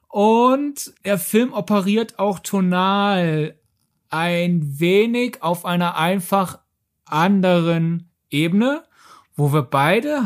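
A woman with a lowish voice co-hosts a film podcast. She explains things in a conversational way, slipping in wry asides as she goes. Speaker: podcast co-host.

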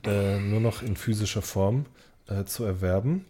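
A man's voice: on the low side, normal speed, warm tone. A man chatting casually as a podcast co-host, often repeating short words of agreement. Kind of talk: casual chat.

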